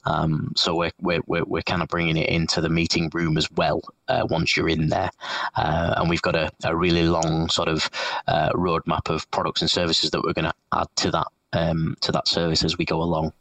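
Deep-voiced Yorkshire man, flat delivery. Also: normal speed, gravelly, no room sound. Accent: Yorkshire English. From northern England. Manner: enthusiastic, many restarts and fillers. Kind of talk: business interview on a call. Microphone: call audio.

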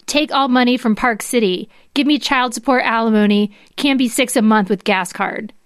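A woman's voice: fairly high pitch, normal speed, no echo, clean studio sound, lightly acted. A woman acting out an angry, scornful wife in a dramatic reading of furious, insulting text messages, with emphatic delivery.

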